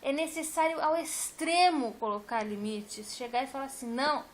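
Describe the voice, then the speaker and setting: A woman's voice: high-pitched, lively intonation, moderate pace, a little hiss or hum. A woman, a teacher, talking casually and emphatically to her viewers and repeating her points. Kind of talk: casual talk to camera.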